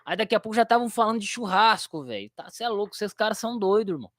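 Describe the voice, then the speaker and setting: A man's voice: high voice, expressive, very fast, fairly bright tone, no echo, clean studio sound. A young Brazilian man who teaches theology, chatting casually on his livestream in a rambling, slangy way and laughing easily.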